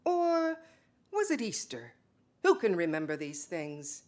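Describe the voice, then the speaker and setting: A woman's voice: lowish voice, wildly swooping pitch, takes it slowly, a little mellow, heavily acted. A woman playing a sorrowful old male Jewish ancestor, telling stories solemnly in a dramatic monologue. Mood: solemn storytelling. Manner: solemn, incantatory, rising repetition.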